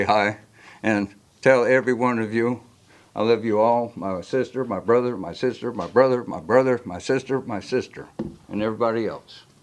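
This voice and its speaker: At a moderate pace and medium pitch, a man speaks with ordinary pitch variation over a quiet background. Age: 60s. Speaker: resident giving public comment. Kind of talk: public comment at council meeting. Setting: city council meeting.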